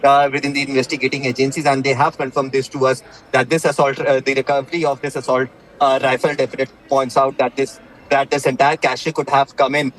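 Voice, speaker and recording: A man with an Indian accent reporting breaking news live, haltingly, with repeated words and many filled pauses. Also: medium pitch, flat delivery, fairly bright tone, rough recording.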